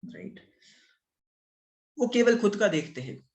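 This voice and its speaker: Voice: mid-range voice, very animated, takes it slowly. A scripture teacher telling a story in a class. The teacher often switches into English and keeps checking with the listeners by asking "right?". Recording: roomy echo.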